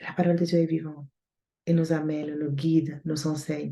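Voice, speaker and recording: The voice has a non-native accent and a dark, mellow tone. It moves at a moderate pace with monotone, flat intonation. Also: woman. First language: not French (speaking French). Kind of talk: sermon. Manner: halting.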